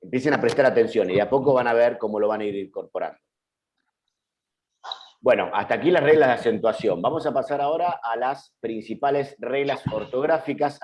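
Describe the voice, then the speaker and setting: A man's voice: mid-range voice, fairly quick, highs cut off. A middle-aged man, a journalism teacher giving an online class, explaining patiently and checking in often with his students. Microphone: computer mic on a video call.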